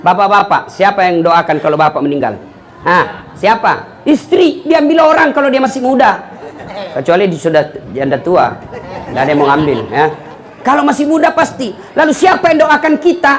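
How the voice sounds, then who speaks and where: A man's voice: high-pitched, very animated, a little fast. A man preaching a humorous sermon, telling anecdotes and acting out the voices of people in them.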